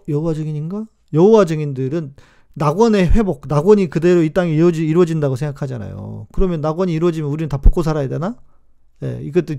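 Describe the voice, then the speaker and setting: A middle-aged man pastor talks to his live-stream viewers in a somewhat high, gravelly voice. He is chatty and emphatic, hammering key words again and again and answering comments as they come in. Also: warm tone. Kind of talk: live-streamed teaching talk.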